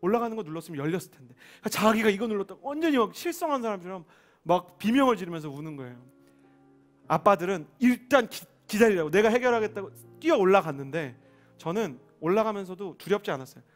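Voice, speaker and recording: Young male pastor telling an animated sermon story. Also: sits high, fast talker. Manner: animated storytelling, acting out quoted voices. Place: church service. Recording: faint music behind.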